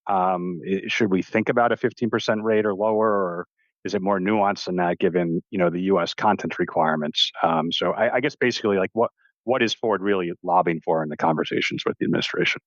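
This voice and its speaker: A man's voice: low voice, a little fast, no room sound. A man asking an analyst's question on an earnings call, phrasing it in a hesitant, roundabout way. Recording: dull conference-call audio.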